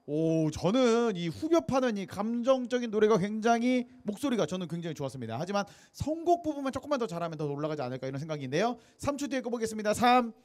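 Fast, animated young man hosting outdoors. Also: sits high. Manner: upbeat, hypes the audience. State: has a cold. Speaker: street busking show host. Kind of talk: lively emcee patter to a crowd. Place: outdoor night street stage. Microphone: handheld mic.

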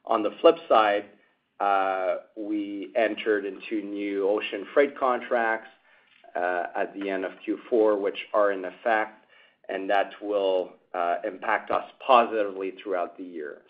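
A man speaking as a company executive, giving measured, hesitant answers on an earnings call over a tinny phone line. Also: fairly low pitch. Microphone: telephone conference line.

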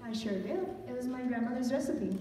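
Woman acting encouraging mother, gentle manner, amateur radio drama, strong echo, faint noise. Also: fairly high pitch, expressive, fairly quick, close to an everyday voice. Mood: agreeable. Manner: gentle, agreeable. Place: church stage before an audience. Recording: echoey church hall, distant, faint noise.

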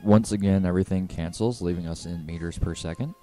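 Low-voiced man narrating a science lesson. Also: fairly quick, dark tone, soft background music. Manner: explanatory, step-by-step. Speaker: physics explainer. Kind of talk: scripted educational narration.

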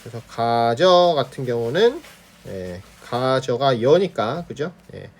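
A man's voice: mid-range voice, big pitch swings, slow pace. A male teacher giving an online lesson on pronunciation, demonstrating sounds and checking in with students constantly. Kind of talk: online Korean grammar lesson.

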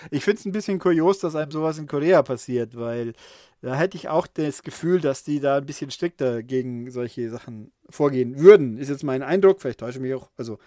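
A man's voice: medium pitch, expressive, brisk, warm tone, no room sound, studio quality. A man hosting a podcast alone, reading a viewer's letter aloud and commenting in a casual way, with many fillers and restarts. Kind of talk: casual solo chat.

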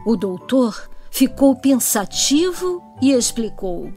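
Slow, melodic Brazilian woman storyteller. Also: fairly high pitch, very animated, warm tone, soft background music. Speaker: narrator. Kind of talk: children's storybook narration.

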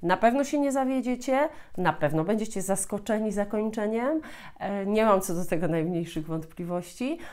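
Speaking from a small furnished room in her home, the Polish teacher in her thirties explains things at a moderate pace, regularly restating and rephrasing. Her mid-range voice is expressive and a little mellow.

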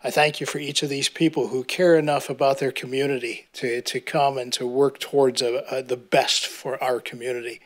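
Middle-aged pastor offering a halting prayer. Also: male voice, mid-range voice, flat delivery. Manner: halting, with repeated filler words. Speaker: pastor giving an invocation. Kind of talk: spoken prayer. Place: council chamber, indoors. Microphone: standing at a podium microphone.

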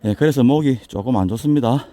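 An older man, a vlogger touring local alleys, walks up a mountain path outdoors chatting and joking in a folksy, easygoing style with a thick Busan Gyeongsang dialect. His mid-range voice is hoarse, slightly raspy, mellow and dark, and he talks quickly while out of breath from the climb in this casual walking vlog.

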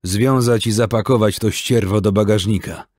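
Man doing a gruff old commanding boss. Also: fairly low pitch, moderate pace, a little mellow, no room sound, studio quality, natural voice. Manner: curt, barking orders.

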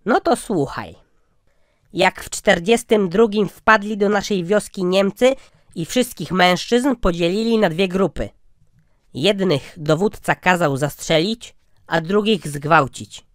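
A man voicing a droll, crotchety old grandpa in a cartoon comedy skit, drawing out deadpan punchlines. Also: high-pitched, takes it slowly, no echo, studio quality.

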